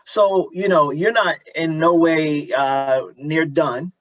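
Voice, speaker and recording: A middle-aged man with an American accent hosting an interview, thoughtful and halting as he gradually builds his questions, on a dull, lo-fi recording. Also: on the high side, fairly even intonation, fairly bright tone. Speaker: interviewer, host. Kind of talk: conversational interview.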